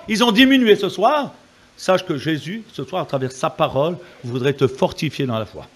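High-pitched guy preaching hard, voice swings up and down a lot, keeps asking the crowd for amen. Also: pushed and bright. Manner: fervent preaching, calls on the congregation for amens. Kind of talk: evangelical sermon.

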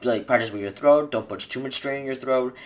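A man's voice: mid-range voice, a little fast. Young man rambling into a webcam. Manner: rambling, full of restarts and "like", gesturing with both hands. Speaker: vlogger giving voice acting tips. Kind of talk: casual advice talk to camera. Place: small bedroom indoors, seated in a gaming chair. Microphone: webcam at desk distance.

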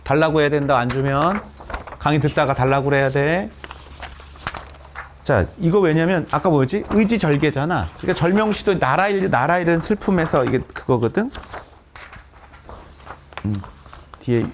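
Lecturing at normal speed with frequent pauses, a man with a slightly high voice teaches Korean literature. He is in a cram school classroom with students present and tends to ask questions and answer them himself, and there's slight hiss or hum.

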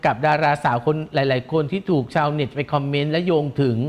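A man's voice: fairly high pitch, fairly quick. Camp, teasing male gossip host. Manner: teasing, giggly, camp with feminine polite particles. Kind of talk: celebrity gossip chat.

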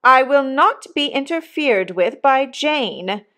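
A woman's voice: fairly high pitch, big pitch swings, slow, a bit bright, voice pushed up, full character voice. Woman playing a pompous, indignant upper-class mother. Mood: affronted. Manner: pompous, imperious.

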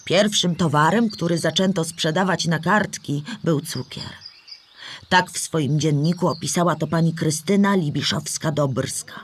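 A woman playing a knowledgeable storyteller character, narrating history in a measured, explanatory way with a husky voice. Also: low voice, a little hiss or hum, close to an everyday voice. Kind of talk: scripted educational narration.

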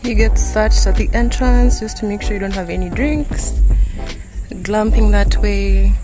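A young woman from Kenya narrating a casual travel vlog in a relaxed, musing way, with many fillers. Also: medium pitch, unhurried. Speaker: vlogger. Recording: music playing behind the voice.

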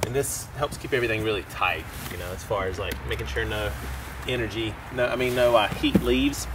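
A man in his thirties hosting a casual how-to vlog outdoors in a backyard, chatting in a loose, relaxed way with restarts. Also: on the low side, fairly quick, recorded from a distance. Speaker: host. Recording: outdoor noise behind.

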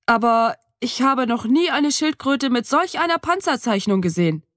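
A woman's voice: a little high, expressive, moderate pace, dry recording, voice pushed up, natural voice. A woman voicing a fidgety young man who explains too much. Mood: explaining. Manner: hesitant, then explaining at length. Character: young man, nervous know-it-all friend. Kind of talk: audiobook dialogue reading. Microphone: close studio mic. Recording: dry studio.

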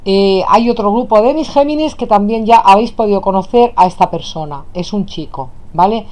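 A woman's voice: mid-range voice, brisk, a little mellow. Woman with a Spain Spanish accent reading tarot. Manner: affectionate, addresses viewers as "my loves". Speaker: tarot reader. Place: indoors at a table, hands only on camera.

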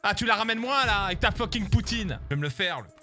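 High-voiced french streamer guy, crude and ranty, bright sharp tone, faint music behind. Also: quick pace. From France. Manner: crude, ranting, animated. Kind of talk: casual gaming stream rant.

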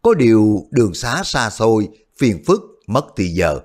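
A man's voice: on the low side, big pitch swings, measured pace, a little mellow. A man voicing a bold, crafty male hero who plays innocent and teases. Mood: feigned regret. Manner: mock-innocent, teasing.

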